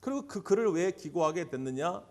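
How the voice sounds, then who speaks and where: Storytelling pastor with a high voice. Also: male voice, big pitch swings, a little fast. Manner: storytelling, acting out quoted voices; asks the congregation questions. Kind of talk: sermon. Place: church service.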